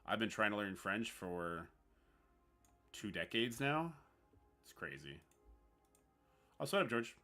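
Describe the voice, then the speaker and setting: A man from Newfoundland with a Newfoundland accent, hosting a casual livestream. He reads on-screen text aloud haltingly and chats with his viewers. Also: lowish voice, big pitch swings, pushed and bright, faint music behind. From Newfoundland, Canada. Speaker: livestream host.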